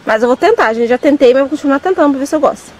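A woman's voice: high voice, animated, rapid-fire, darkish tone, low-quality recording. Young woman, Brazilian accent, casual farm vlog, chatty, points things out, faint outdoor noise. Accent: Brazilian Portuguese. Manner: chatty, addresses viewers often, points things out. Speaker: vlogger. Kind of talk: casual vlog chat to viewers. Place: outdoors in a vegetable garden on a farm.

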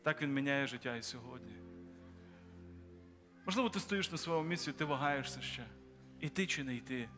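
A man's voice: medium pitch, a little fast, long pauses, long reverb tail. A man preaching and leading an altar-call prayer, urging listeners to come forward with pleading repetition. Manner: urgent pleading, repetitive invitations. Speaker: pastor. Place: large church hall with balcony. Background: applause and music.

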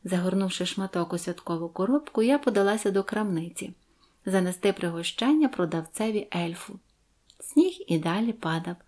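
A woman narrating a Christmas fairy tale in the first person, gentle and expressive. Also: medium pitch, normal speed. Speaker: audiobook narrator. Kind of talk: storytelling narration.

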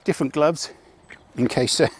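After a mock advert at the start, this casual vlog has an older British motorcycle travel vlogger showing off his motorcycle kit in a campsite car park. Recorded on a lapel radio mic, his voice sits on the high side at normal speed, chatty, wry and self-deprecating, with slight background noise.

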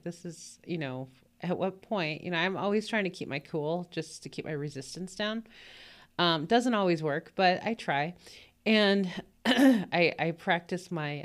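A woman, telling a story in casual podcast chat with lots of fillers and laughs. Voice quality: low voice, morning voice. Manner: rambling, frequent fillers and laughs. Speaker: podcast host. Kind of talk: casual spoken anecdote.

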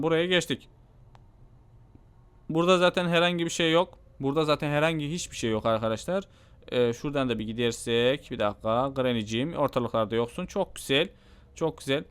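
A man with a Turkish accent doing casual let's-play commentary, excitable, repeating his own phrases and talking to viewers. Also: a little high, clean tone. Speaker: gaming YouTuber.

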